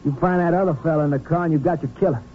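An actor playing a curt, resentful young ex-soldier off the farm, answering defensively in a 1950s radio crime drama. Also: male voice, fairly high pitch, racing, natural voice. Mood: indignant. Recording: tinny, noisy old radio broadcast.

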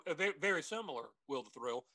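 Male podcast co-host, Southern American drawl, bright forceful tone, very animated delivery, casual banter. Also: a little high, fast. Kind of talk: casual joking chat.

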